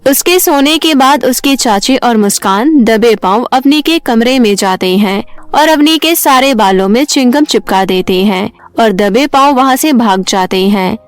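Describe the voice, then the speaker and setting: High-voiced woman narrating a story. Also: lively intonation, unhurried, few pauses, no echo. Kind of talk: scripted children's story narration.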